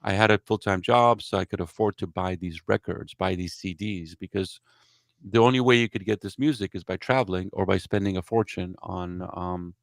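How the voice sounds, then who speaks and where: A middle-aged man from Poland whose first language is Polish, a radio DJ and host giving a relaxed, rambling, enthusiastic talk about his life. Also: low-pitched, moderate pace, vocal fry, no room sound, studio quality. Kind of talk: public lecture, storytelling.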